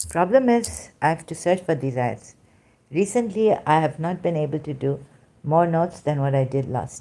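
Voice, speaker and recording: Lively intonation runs through a dark, mellow tone. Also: woman, very deep, low pitch for a woman, moderate pace. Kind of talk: casual religious commentary. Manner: halting.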